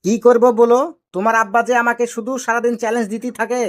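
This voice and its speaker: A man's voice: very high-pitched, level tone, fast talker, a bit bright. Cheeky young son-in-law played by a man, Rajshahi Bengali accent, cocky and argumentative, for village cartoon comedy. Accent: Rajshahi Bangladeshi Bengali. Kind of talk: amateur cartoon comedy dialogue.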